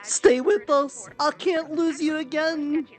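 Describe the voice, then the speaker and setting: A woman's voice: sits high, steady tone, slow, soft background music. A woman chatting during an online roleplay, teasing playfully and laughing a lot. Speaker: roleplay player.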